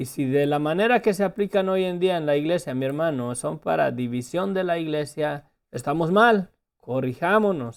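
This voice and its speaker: With lively intonation and a fairly high pitch, a man talks at a moderate pace on a very clean recording against a silent background. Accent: Mexican. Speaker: Bible teacher. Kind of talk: Bible study lesson.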